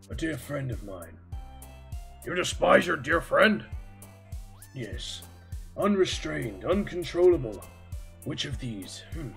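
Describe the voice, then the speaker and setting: A man puts on a character voice at a fairly slow pace. He leaves long, frequent pauses while clear music plays in the background. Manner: boastful, loud, maniacal laughter.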